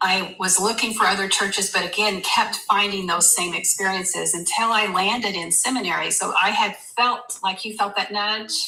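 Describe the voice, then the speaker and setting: A woman with an American accent talks at a moderate pace with hardly any pauses, medium pitch and fairly even intonation over noticeable background noise. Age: 60s. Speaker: reverend. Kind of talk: interview. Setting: livestream.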